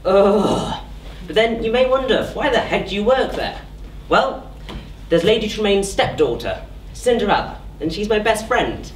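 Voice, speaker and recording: Woman as lovestruck comic servant for stage panto: playful, exclamatory, very lively delivery, distant roomy theatre recording. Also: mid-range voice, moderate pace, a little hiss or hum, lightly acted. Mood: confiding. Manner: exclamatory, playful, coaxing the crowd. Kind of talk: live amateur pantomime stage acting, addressing the audience. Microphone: distant camera.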